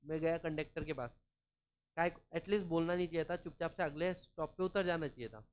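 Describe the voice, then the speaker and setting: A man's voice: fairly high pitch, fairly quick, slight background noise. A man from Maharashtra, teaching law in a chatty, informal lecture, mixing in English and acting out anecdotes. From Maharashtra, India. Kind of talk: casual classroom lecture.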